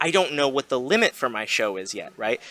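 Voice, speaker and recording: A loud man with a fairly high pitch, a bright, sharp tone and a dry, close sound with no echo. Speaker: wrestling ring announcer and podcaster. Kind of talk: interview.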